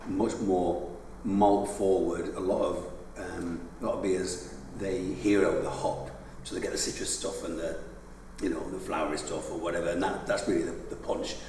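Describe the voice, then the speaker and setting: A man with a Yorkshire accent at a moderate pace, amid noticeable background noise and audible room echo. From Yorkshire, northern England. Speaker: brewery co-founder. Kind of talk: casual chat.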